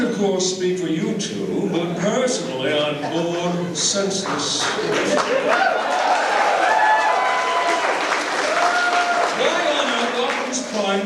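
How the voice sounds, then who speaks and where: An actor playing a vain, bored robot car warrior who gripes pompously in a live dramatic script reading. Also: male voice, sits high. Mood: bored, haughty. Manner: pompous, theatrical griping. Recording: very echoey noisy hall from far off.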